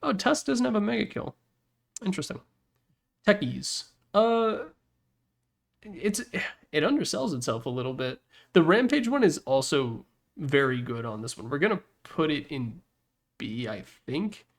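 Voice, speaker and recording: A man's voice: fairly high pitch, big pitch swings, a little slow, creaky, long pauses. A man giving casual, opinionated commentary as the host of a ranking, talking in a rambling, blunt, slangy way. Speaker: host ranking video game announcer packs.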